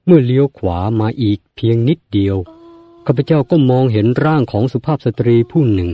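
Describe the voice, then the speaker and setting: A man reading a novel aloud as an audiobook narrator, in a measured and formal storytelling manner. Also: medium pitch, animated, warm tone.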